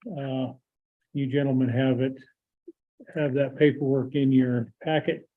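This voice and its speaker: A hoarse man chairing a county board meeting, explaining an agenda item haltingly with many filler pauses. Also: mid-range voice, fairly even intonation. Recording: tinny phone-like audio.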